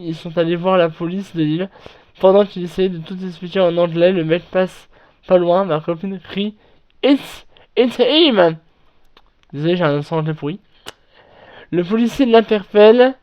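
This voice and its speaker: A man reading internet horror stories aloud and then commenting on them, in a halting way with frequent restarts and self-corrections. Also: high-pitched, clear, resonant tone. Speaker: online horror story narrator. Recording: dull lo-fi recording.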